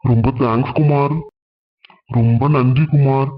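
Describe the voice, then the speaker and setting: A man's voice: mid-range voice, steady tone, unhurried, natural voice. A man doing a wailing, humbled rich jeweler. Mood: remorseful. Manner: wailing, pleading. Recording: dull lo-fi sound.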